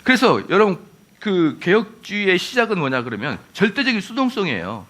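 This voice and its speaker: Lively high-voiced man preaching. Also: brisk. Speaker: pastor. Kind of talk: sermon. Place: church.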